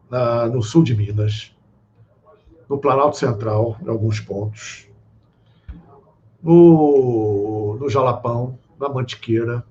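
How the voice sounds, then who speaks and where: A man with a Brazilian Portuguese accent, speaking as a guest on a live stream and lecturing, often checking in with a quick "tá?". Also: mid-range voice, darkish tone, lo-fi sound, slight background noise. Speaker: guest speaker on esoteric topics.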